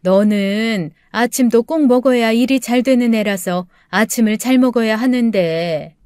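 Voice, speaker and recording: A woman doing a gentle, worried mother. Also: a little high, clear, resonant tone, no echo, clean studio sound, close to an everyday voice. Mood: coaxing. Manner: soft, coaxing and slow.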